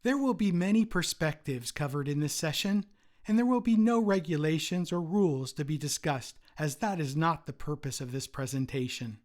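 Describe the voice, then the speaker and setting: A man, a retired umpire, giving a formal prepared presentation at a convention in a measured, read-aloud way. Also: a little high, darkish tone.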